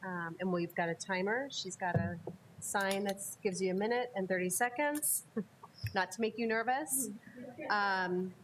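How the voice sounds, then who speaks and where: A woman of middle pitch chairs a school board meeting, talking loosely and filling the gaps with ums. Faint noise sits under her voice. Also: a bit bright. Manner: informal, lots of ums.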